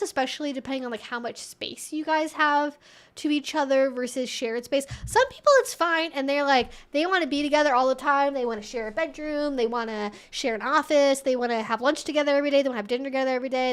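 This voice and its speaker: Female Q&A host, high voice, casual conversational delivery, rambling and informal. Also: quick pace. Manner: chatty and informal, rambling with frequent asides. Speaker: livestream host and relationship educator answering viewer questions.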